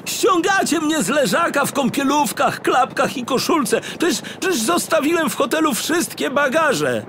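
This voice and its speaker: A man's voice: very high-pitched, big pitch swings, normal speed, fairly bright tone, slight background noise, voice pushed up, full character voice. A man voicing a flustered, whiny, indignant detective in a children's audiobook, exclaiming and protesting. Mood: outraged. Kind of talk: audiobook character acting for children.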